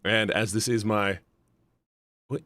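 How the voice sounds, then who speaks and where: A man's voice: on the low side, fairly even intonation, slow, sharp tone, dry recording, clean studio sound. A man talking casually on a livestream, rambling earnestly and bluntly and repeating himself for emphasis. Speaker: live streamer.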